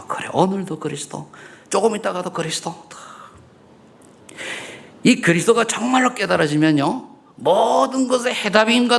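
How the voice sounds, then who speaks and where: A middle-aged man preaching a sermon in a church, firing rhetorical questions at the congregation and swinging between loud and hushed delivery. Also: sits high, vocal fry. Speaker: pastor. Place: church sanctuary.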